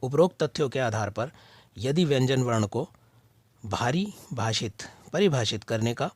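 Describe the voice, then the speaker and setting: Man slowly reading out study answers. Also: medium pitch, no echo. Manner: measured, dictation-like reading, pausing between listed words. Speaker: tutor reading out assignment answers. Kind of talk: slow read-aloud of study answers.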